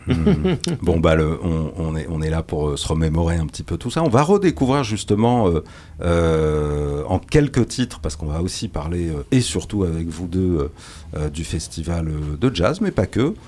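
Deep-voiced hesitant radio host man. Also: big pitch swings, darkish tone. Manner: halting, many fillers and restarts. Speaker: radio jazz show host. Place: radio studio.

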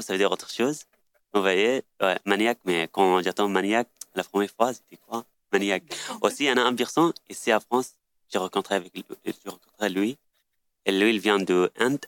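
A man whose first language is Arabic, explaining a phrase in halting learner French with many restarts. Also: lowish voice, clear, resonant tone, no echo. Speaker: language learner sharing a word. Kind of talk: hesitant casual explaining.

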